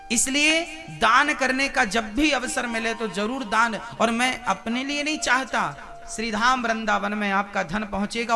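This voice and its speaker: A man's voice: very high voice, sharp tone. A man preaching a devotional sermon, telling stories and putting questions to his listeners. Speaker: kathavachak preacher.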